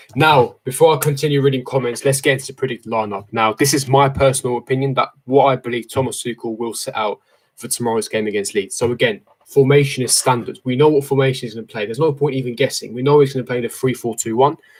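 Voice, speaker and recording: Speaking very fast in a London accent, a man has a somewhat breathy, medium-pitched voice with fairly even intonation. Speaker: football YouTuber. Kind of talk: live stream chat. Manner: casual, with fillers.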